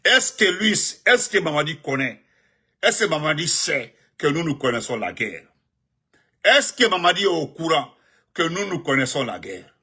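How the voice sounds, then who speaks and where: At normal speed and with a breathy edge, a man greets viewers and offers excited political commentary on a live stream. He tends to repeat himself, his pitch leaping up sharply when he gets emphatic.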